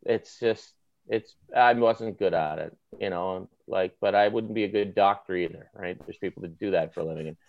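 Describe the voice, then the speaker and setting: Low-pitched and at a normal pace, a man with a Maritime Canadian accent weighs in on sports as an author guesting on a podcast. Expect strong opinions, casual language, emphasis and clipped, punchy lines. No room sound is audible, and the highs are rolled off.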